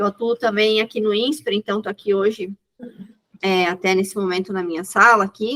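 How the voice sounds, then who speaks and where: A woman's bright, sharp voice in a southern Brazilian accent, medium in pitch, at a moderate pace with fairly even intonation, in a dry, close recording with no echo. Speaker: innovation executive and speaker. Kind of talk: online presentation.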